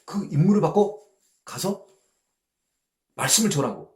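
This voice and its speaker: A man's voice: on the high side, sing-song, unhurried, mellow, reverberant. A male pastor leading a Bible study in a conversational way, often checking in with short tag questions and chuckling lightly between points.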